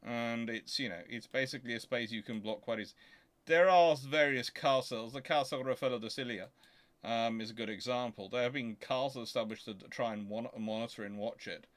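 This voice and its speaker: A man hosting an informal question-and-answer show, explaining things in a halting, self-correcting way. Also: mid-range voice, dry recording. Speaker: host of a naval history Q&A show.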